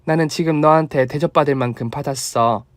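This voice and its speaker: A man's voice: fairly high pitch, fairly quick, no room sound, clean studio sound, close to an everyday voice. A man voicing a thrifty, kind elderly mother-in-law who fusses and scolds affectionately. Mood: fond.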